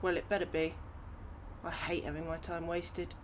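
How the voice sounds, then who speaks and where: A woman's voice: on the low side, flat delivery, moderate pace, slight background noise, lightly acted. A woman playing a sceptical, grudging bank robber on the run in an audio drama. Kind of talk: amateur audio drama acting.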